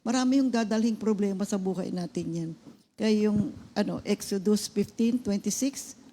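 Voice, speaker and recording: A woman co-hosting a Christian teaching program, talking casually and telling stories with lively acted-out dialogue. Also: medium pitch, normal speed. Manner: animated storytelling, acting out dialogue loudly. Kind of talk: conversational Bible teaching.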